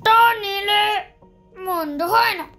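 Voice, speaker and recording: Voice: very high voice, takes it slowly, bright, forceful tone, soft background music, full character voice. A performer voicing a scheming, nosy village relative in a cartoon. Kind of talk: cartoon story dialogue.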